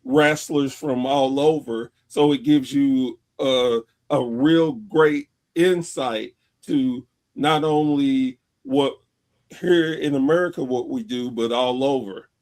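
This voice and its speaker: A man hosting a podcast interview, asking questions in a halting way with many pauses. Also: mid-range voice, a little mellow. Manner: halting, many fillers and restarts. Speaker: podcast host. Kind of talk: casual interview talk.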